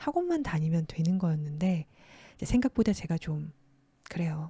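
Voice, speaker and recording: A woman with a somewhat breathy, dark, mellow voice and fairly low pitch speaks at a fairly slow pace in a calm tone, with lively intonation and long, frequent pauses. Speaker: announcer / radio host. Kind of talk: casual personal monologue, diary-like talk. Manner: calm, soft, conversational.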